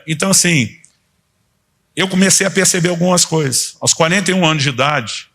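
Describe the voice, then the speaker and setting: Husky-voiced Brazilian pastor in his fifties. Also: on the high side, fairly bright tone. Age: 50s. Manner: conversational preaching, acting out quoted dialogue. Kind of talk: sermon.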